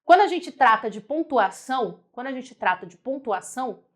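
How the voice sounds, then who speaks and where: A Brazilian woman teaching a live online grammar lesson, lively and repetitive, often checking whether viewers follow. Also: sits high, normal speed. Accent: Brazilian Portuguese. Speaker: Portuguese teacher.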